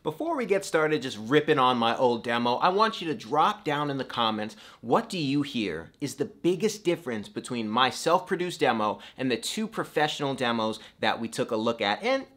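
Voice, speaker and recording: A man's voice: medium pitch, very animated, normal speed, hardly any pauses, fairly bright tone. A young man giving casual, emphatic commentary as he reviews audio demos, recorded in a room at home. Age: young adult. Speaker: voice actor giving advice.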